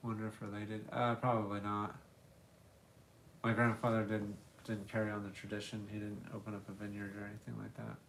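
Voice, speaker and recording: A man with a fairly low pitch talks at a fairly quick pace in a relaxed tone. His intonation is monotone and flat, broken by long, frequent pauses. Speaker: YouTuber live-streaming about old photos. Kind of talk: casual live stream chat. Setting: live stream. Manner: relaxed, chill.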